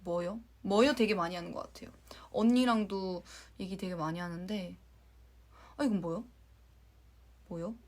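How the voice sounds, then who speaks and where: A young woman from Jeonju with a light Jeolla accent, chatting casually with fans on a livestream, giggling and sometimes dropping into a soft whisper. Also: fairly low pitch, normal speed, pauses often. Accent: light Jeolla Korean. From Jeonju, Korea. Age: young adult. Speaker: idol livestream host.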